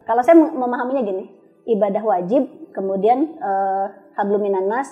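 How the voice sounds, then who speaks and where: A woman's voice: medium pitch, normal speed, narrow, tinny audio, soft background music. A woman guest telling her life story in a thoughtful, searching way with small restarts. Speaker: interview guest. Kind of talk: reflective conversational storytelling.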